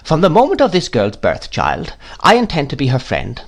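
A man's voice: medium pitch, wildly swooping pitch, moderate pace, vocal fry, pitched above the performer's own voice, full character voice. A man voicing a stern, brusque older woman who gives orders in a clipped, scolding way. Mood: commanding.

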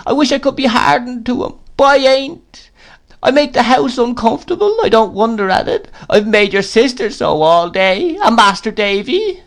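A mournful old widow who wallows in her own misery, whining in a high, drawn-out, tearful voice, as a male storybook reader puts her on. Her pitch wanders up and down as she complains. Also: expressive. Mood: self-pitying. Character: gloomy self-pitying older widow, whining.

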